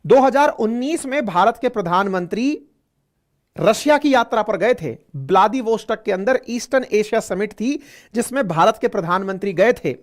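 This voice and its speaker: A man's voice: high-pitched, expressive, normal speed. A man teaching current affairs in a conversational lecture, repeating his points and speaking straight to the listeners. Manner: chatty, repeats points, addresses listeners directly.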